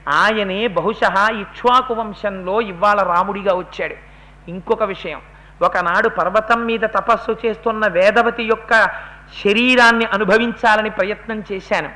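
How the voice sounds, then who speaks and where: A man's voice: high voice, fairly even intonation, moderate pace, sharp tone. A man giving a devotional epic discourse, telling the story and acting out the characters' words with rising intensity. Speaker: religious discourse speaker.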